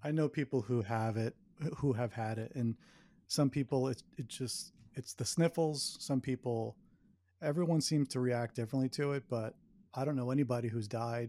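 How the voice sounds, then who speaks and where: With an American accent, a man of medium pitch and a dark, mellow tone speaks at a moderate pace with ordinary pitch variation, on a very clean recording with a silent background. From New Jersey. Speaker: podcaster. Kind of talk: casual podcast discussion.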